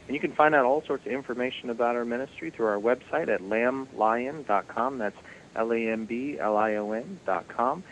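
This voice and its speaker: A man's voice: medium pitch, normal speed, a little hiss or hum, low-quality recording. A man, a guest on a Christian radio show, talking in a friendly way and laughing easily. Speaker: ministry guest. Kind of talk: radio interview conversation.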